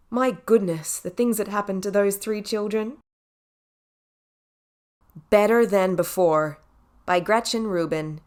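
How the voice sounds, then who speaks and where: A woman reading scripted audiobook narration as a professional narrator. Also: medium pitch.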